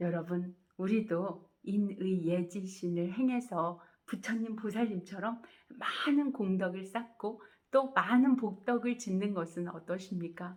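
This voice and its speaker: Very slow speech from a woman, medium in pitch, with ordinary pitch variation. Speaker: spiritual teacher. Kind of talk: dharma talk. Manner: louder than usual.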